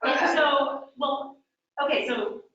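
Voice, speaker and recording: A woman's voice: high voice, slow, pushed and bright, roomy sound, dull audio. A woman from New York teaching a live real estate workshop, chatty and quizzing her audience. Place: training room with a small audience.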